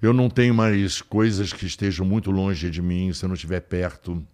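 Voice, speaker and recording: A man speaks in a somewhat low voice. He rambles in a relaxed, affectionate way, circling back and restarting his thoughts as he chats with an interviewer. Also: fairly quick. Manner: warm, rambling, affectionate storyteller with frequent restarts. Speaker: guest. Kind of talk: casual interview chat.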